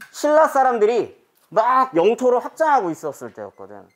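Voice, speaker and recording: Lively woman teaching kids history. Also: mid-range voice, brisk, faint music behind. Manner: animated, quizzing the class. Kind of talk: storytelling history lesson to children. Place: school classroom.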